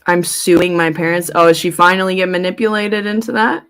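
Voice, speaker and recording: A livestream host talks briskly in a lowish, steady, clear, resonant voice that's a bit bright. Casual and blunt, she swears freely and rambles while thinking aloud, giving commentary and reading comments from viewers.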